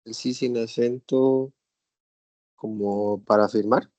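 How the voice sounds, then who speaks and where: A man's voice: mid-range voice, steady tone, slow pace, a little mellow, lo-fi sound. A male student answering the teacher's questions in class, hesitant and thinking aloud.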